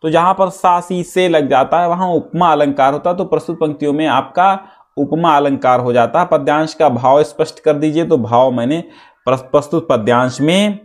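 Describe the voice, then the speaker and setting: A man teaching an exam-prep lesson, explaining step by step and reciting verse slowly. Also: on the high side.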